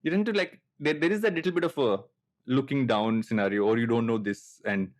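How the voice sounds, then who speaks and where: A man's voice: mid-range voice, brisk. Telugu-accented Indian man, late thirties, chatting. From coastal Andhra Pradesh, India. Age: late 30s. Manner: anecdotal, self-deprecating. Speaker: podcast host. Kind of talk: casual reflective conversation.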